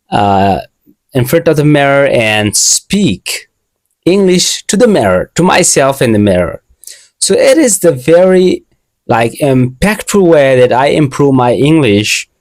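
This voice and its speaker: A young Asian man, not a native English speaker, talks through his advice in an earnest, learner's English, circling back and restarting his phrases as he goes. His voice is mid-pitched and sits close to the mic in a dry, deadened space. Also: no room sound. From Asia. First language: an Asian language. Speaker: English teacher. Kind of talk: casual video lesson.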